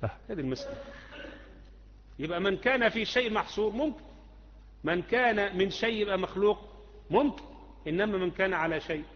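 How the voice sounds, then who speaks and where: A man's voice: high voice, expressive, fast talker, long pauses. Egyptian man teaching in an echoing hall. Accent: Egyptian Arabic. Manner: conversational, asks students rhetorical questions. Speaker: Islamic creed teacher. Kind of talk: live religious lesson answering questions. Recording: muffled audio with long hall reverb.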